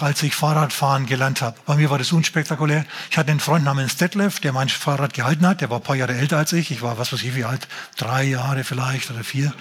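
A man preaching a sermon, talking emphatically with drawn-out phrases and addressing the congregation directly. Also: medium pitch, husky. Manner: emphatic, drawn-out phrases, shouts in mock drill voice.

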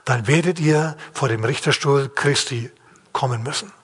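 A man preaching a sermon who quotes a stern rich master judging his servants, in a husky voice. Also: medium pitch, normal speed, fairly bright tone. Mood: solemn. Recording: long hall reverb.

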